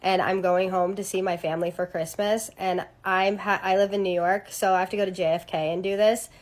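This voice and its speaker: A chatty woman gushes to her followers in a relaxed, affectionate way. She speaks at an everyday mid pitch, and her warmth comes through in the words more than in any forceful delivery. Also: a little fast. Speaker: paranormal storyteller. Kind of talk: casual chat to followers. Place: New York.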